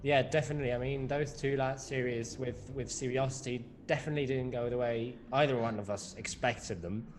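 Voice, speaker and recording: A man co-commentating an esports match, measured and analytical, with frequent "you know" fillers. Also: medium pitch, steady tone. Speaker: esports co-caster. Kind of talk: live game commentary.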